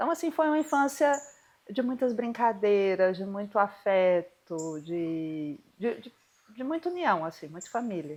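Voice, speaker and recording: In a Bahian accent, a woman speaks at a fairly slow pace with very wide pitch swings. The recording is very clean, with a silent background. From Brazil, Bahia (Senhor do Bonfim). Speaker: lawyer and federation president. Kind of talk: interview.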